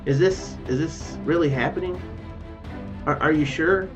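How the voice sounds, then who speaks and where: A man's voice: fairly high pitch, measured pace, lightly acted. A man reading aloud the visual novel lines of a bewildered, eager newcomer hero, hesitant and questioning. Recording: dull lo-fi mic with faint music.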